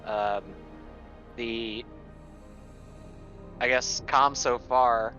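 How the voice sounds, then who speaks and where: A man's voice: medium pitch, steady tone, extremely slow, music in the background. A man playing a tabletop game, casually and thoughtfully talking through tactics on a slightly muffled voice track. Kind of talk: casual in-game planning chat. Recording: slightly dull, band-limited voice track.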